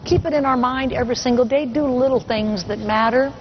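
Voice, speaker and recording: A woman's voice: a little high, brisk, muffled recording, a little hiss or hum. A woman giving a motivational keynote speech, telling earnest personal stories and asking the audience rhetorical questions. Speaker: motivational speaker.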